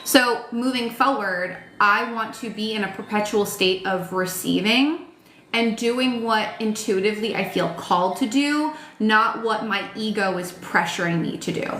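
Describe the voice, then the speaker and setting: In a reverberant space with a little hiss or hum, a woman in her thirties does a casual tarot reading. Her voice is medium in pitch, unhurried, and fairly bright, though tired and beginning to crack. She's frank and chatty, swears, and fills her talk with "like" and "um."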